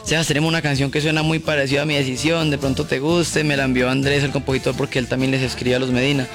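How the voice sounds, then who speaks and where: A man's voice: medium pitch, level tone, quick pace, music in the background. A man from Colombia, a singer guest, chatting casually and openly, often restarting his sentences. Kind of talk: casual chat.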